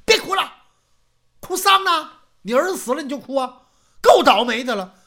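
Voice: medium pitch, sing-song, normal speed, bright, forceful tone, full character voice. A storyteller voicing a greedy, lecherous old father-in-law who bullies and swears. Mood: scornful. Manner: coarse, bullying, swearing.

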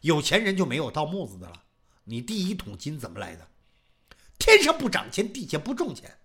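Male storyteller voicing a harsh magistrate in a storytelling set; scornful, barking, bright and lively. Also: a little high, fairly quick, voice pushed down, exaggerated voice. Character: stern bullying male magistrate, middle-aged.

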